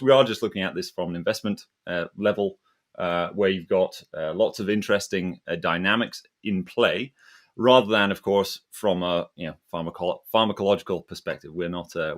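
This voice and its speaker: A man hosting an interview, asking casual, rambling questions with frequent hesitations. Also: fairly low pitch. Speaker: interviewer and host.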